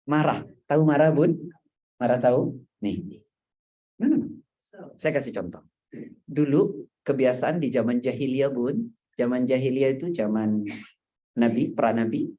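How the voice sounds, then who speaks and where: A middle-aged male preacher giving a sermon to a hall of women. He talks at a middle pitch for a man, lively and humorous, and keeps turning to the audience with direct questions. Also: unhurried, long pauses. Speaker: Islamic preacher. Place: mosque lecture hall.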